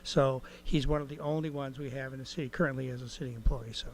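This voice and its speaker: A man's voice: mid-range voice, steady tone, fast talker, very noisy. A man, a city official, enthusiastically praising a staff member.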